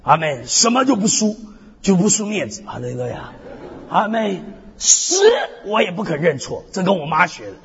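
A male pastor from North America, his gravelly voice sitting high and moving at a moderate pace, gives an animated sermon laced with humor, self-deprecating tales, and call-and-response hallelujahs. The sound is that of a dull hall with a long reverb.

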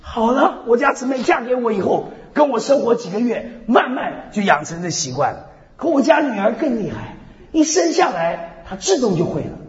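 A man preaching a sermon with lively storytelling, repeating "hallelujah, amen" again and again, swinging between loud and soft. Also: very high-pitched, moderate pace. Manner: peppers speech with "hallelujah, amen" refrains. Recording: echoey hall, dull lo-fi sound.

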